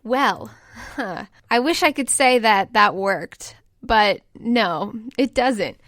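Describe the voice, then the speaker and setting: A woman improvising narration as game master of a tabletop game, in a casual, halting, descriptive way. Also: fairly high pitch, lively intonation, a bit bright, no echo, studio quality. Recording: music under the voice.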